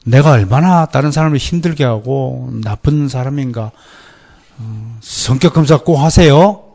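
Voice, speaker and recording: A middle-aged male pastor with a Gyeongsang accent, preaching a sermon lecture in a lively, animated way, often mimicking others. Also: mid-range voice, unhurried. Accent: Gyeongsang Korean. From Gyeongsang region, Korea. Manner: lively, animated, mimics people in quoted voices.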